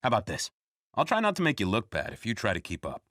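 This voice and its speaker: Cocky game soldier, wildly swinging pitch. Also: male voice, huge pitch swings, quick pace, fairly bright tone, no echo, studio quality. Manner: cocky, teasing. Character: cocky male soldier specialist in a war game. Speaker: video game voice actor. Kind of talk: scripted video game voice lines.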